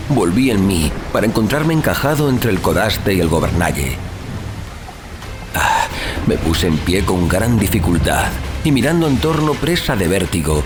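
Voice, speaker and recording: A man narrates a dark sea story in a low, deep voice. His delivery is measured and theatrical, with lively swings in intonation, while music plays clearly underneath. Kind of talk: dramatic scripted audiobook narration of a horror sea tale.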